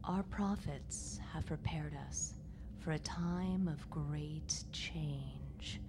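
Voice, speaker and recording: A secretive rebel leader acted by a woman speaks slowly and gravely, like someone passing on prophecy. The voice is low and portentous, made for live sci-fi radio drama. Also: background noise. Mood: solemn, portentous. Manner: solemn, portentous, measured.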